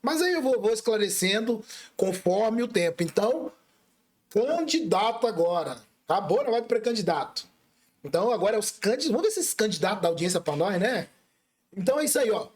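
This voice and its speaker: A man's voice: sits high, sing-song, brisk. A man hosting a casual interview, chatty and joking, often restarting his sentences. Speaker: radio host, interviewer.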